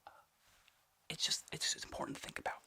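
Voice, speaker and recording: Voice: fast, sharp tone. A person whispering an ASMR roleplay as an obsessive, paranoid conspiracy theorist, rambling and stammering over repeated phrases with urgency. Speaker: ASMR video creator.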